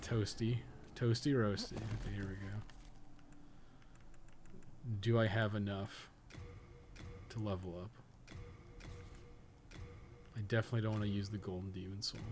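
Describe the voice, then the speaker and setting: A man's voice: fairly low pitch, flat delivery, measured pace, pauses often, a little mellow, faint music behind. A man doing casual live gameplay commentary as a streamer, sweary and sarcastic, often muttering to himself. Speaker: game streamer, podcast co-host.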